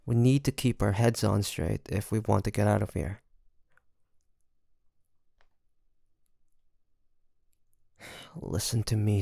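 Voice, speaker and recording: A man acts out a roguish pirate captain for an intimate audio roleplay. His voice sits fairly low, with a heavy gravelly creak, and he takes his time over every phrase. He is smooth-talking and teasing, yet fiercely protective of the one he addresses. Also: dark tone, dry recording, clean studio sound. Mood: soothing, protective. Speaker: voice actor.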